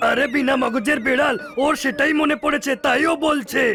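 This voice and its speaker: A man voicing a grumpy, hot-tempered comic cartoon sidekick with a gravelly voice. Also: very high voice, fairly even intonation, moderate pace, music in the background. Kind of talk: dubbed cartoon acting.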